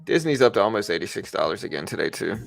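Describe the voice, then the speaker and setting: Music plays in the background as a stock trader hosts his informal market livestream, musing aloud and chatting with viewers. His voice sits on the low side, sing-song and creaky, and he talks at a quick pace.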